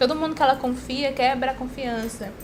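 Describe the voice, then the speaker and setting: Over noticeable background noise and audible room echo, a woman talks fairly quickly at a high pitch with ordinary pitch variation. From Brazil, Ceará (Cariri, Juazeiro do Norte). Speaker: novelist. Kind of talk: interview.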